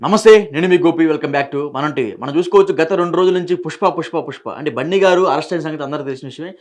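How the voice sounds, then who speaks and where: A man's voice: on the high side, fast, darkish tone. A man hosting a news show, presenting the story and putting questions to a guest.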